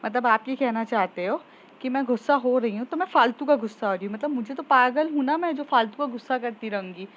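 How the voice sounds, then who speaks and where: A woman's voice: a little high, a little fast, dull audio, pitched above the performer's own voice, close to an everyday voice. A woman voicing a sulky young schoolgirl who complains and takes offense, in a storybook tale.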